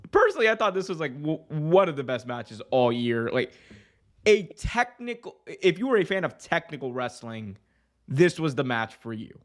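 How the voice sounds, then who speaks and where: A man's voice: fairly high pitch, moderate pace. A man co-hosting a wrestling podcast, chatting casually and breaking into playful impressions, his voice a little strained. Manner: animated, breaks into mocking impressions. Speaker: podcast co-host.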